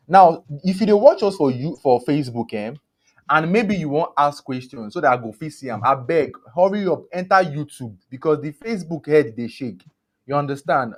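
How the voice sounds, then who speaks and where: A man with a West African accent speaks Pidgin English, explaining health matters conversationally as a doctor and co-host, repeating words for emphasis. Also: on the high side.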